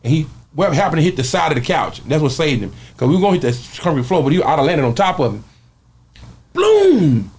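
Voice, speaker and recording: A man with a Southern Black accent from Arkansas, in the American South, races through a casual story as an interview guest, barely pausing. His fairly high, expressive voice has a breathy edge, and he acts out quoted speech in a colloquial manner.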